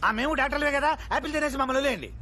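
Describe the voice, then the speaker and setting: A man's voice: very high voice, very fast, sharp tone, slight background noise. A man acting a nervous, pleading captive doctor in a Telugu comedy film.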